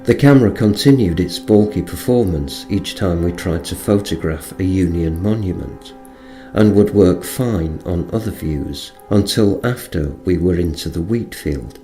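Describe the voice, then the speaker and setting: A man's voice: low-pitched, measured pace, warm tone, soft background music. A man reading a first-person account aloud as scripted narration. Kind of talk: scripted audiobook-style narration.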